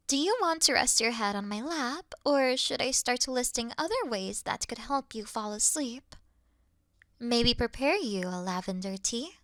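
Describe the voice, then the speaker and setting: A woman playing an awkward, officious moth girl in a sleep-aid ASMR roleplay, speaking softly and deliberately in a dry bedside murmur that slips into whispers. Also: fairly high pitch, no room sound. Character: awkward, officious young female moth monster offering comfort.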